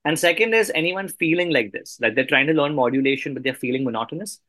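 A man's voice: on the high side, lively intonation, fast talker, bright, forceful tone, no echo, studio quality. A man hosting a podcast interview in a conversational way, asking questions and summing up.

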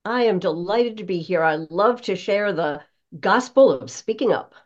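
An older American woman, a broadcast voice coach being interviewed, speaking in an emphatic, polished, conversational way with deliberate phrasing. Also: medium pitch, expressive, highs cut off. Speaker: broadcast voice coach, podcast guest.

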